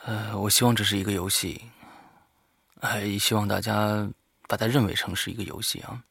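A man talking informally and haltingly to listeners as the host of a horror story show, alone in a studio. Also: on the low side, steady tone, vocal fry, fairly bright tone, breathy edge, dry recording. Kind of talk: informal spoken monologue to listeners.

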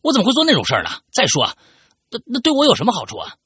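A man voicing an indignant young man who protests loudly against being blamed. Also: very high voice, huge pitch swings, very fast, slightly rough, dry recording, clean studio sound, voice pushed up, heavily acted. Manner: loud, protesting.

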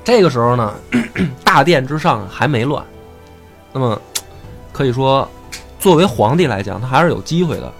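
A man's voice: medium pitch, expressive, normal speed, soft background music. Slangy Beijing man telling history. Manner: swearing, slangy, acts out dialogue. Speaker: podcast host. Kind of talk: casual history storytelling.

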